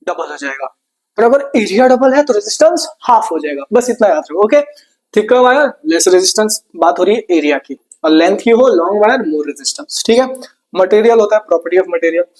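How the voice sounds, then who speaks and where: A man teaching a rapid exam revision lesson in a casual, brotherly tone. He asks questions, answers them himself and adds jokes and memory tricks. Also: high-pitched, darkish tone.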